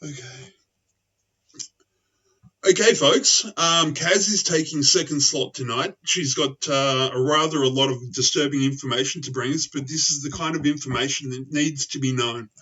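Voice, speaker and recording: Bright-voiced man hosting, far from mic. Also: medium pitch, moderate pace, breathy edge. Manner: rambling, with many fillers and restarts. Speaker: podcast host. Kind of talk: casual chat. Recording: distant, dull lo-fi mic.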